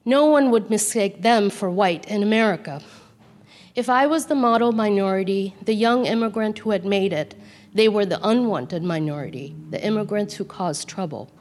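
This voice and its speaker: A woman's voice: mid-range voice, darkish tone. Woman reading memoir in echoey hall. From Calcutta, India. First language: Bengali. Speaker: author reading from her memoir. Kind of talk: reading aloud from her own book. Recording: long hall reverb.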